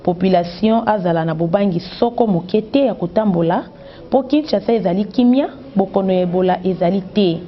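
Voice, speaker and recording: A woman news reporter, reading a report with a steady delivery. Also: mid-range voice, normal speed. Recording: dull lo-fi news audio.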